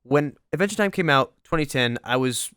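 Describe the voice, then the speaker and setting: Young guy gushing about a cartoon, keeps restarting, smooth clear voice, dead dry sound. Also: brisk, dry recording. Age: young adult. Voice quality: higher voice. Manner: excitable, rambling with many restarts. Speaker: podcast co-host. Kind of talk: casual chat.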